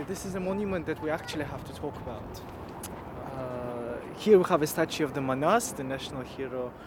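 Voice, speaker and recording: A man with a fairly high voice talks at a fairly quick pace, his loudness swinging widely over noticeable background noise. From Kyrgyzstan. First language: Russian and Kyrgyz. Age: 20s. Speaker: anthropology student. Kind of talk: conversational interview. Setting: outdoors in a city square.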